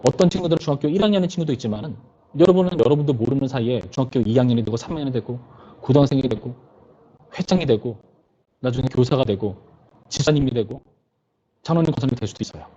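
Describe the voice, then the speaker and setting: A man's voice: medium pitch, animated, quick pace, pauses often, mellow, lo-fi sound. A male pastor preaching to a youth service in a conversational way, often putting questions to his listeners.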